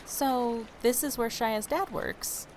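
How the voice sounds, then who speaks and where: A woman playing a polite, curious oracle in an audio drama, gentle and inquisitive in manner. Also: fairly high pitch, slow pace, slight background noise.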